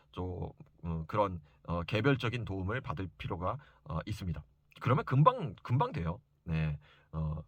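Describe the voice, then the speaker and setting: Animated, bright-voiced man coaching parents. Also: lowish voice, slightly rough, dry recording. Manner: emphatic, insistent, repeats key points for stress. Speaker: private reading and study coach advising parents. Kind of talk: informal educational lecture to parents.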